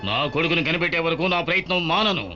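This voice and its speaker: A man voicing a stubborn, imploring father in a cartoon dub, with a gravelly voice. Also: a little high, racing, lightly acted. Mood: determined. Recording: dull cartoon audio under loud music.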